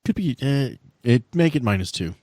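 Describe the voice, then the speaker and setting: A man's voice: medium pitch, very animated, moderate pace, a little mellow, no room sound. A man casually narrating and refereeing a tabletop game as game master.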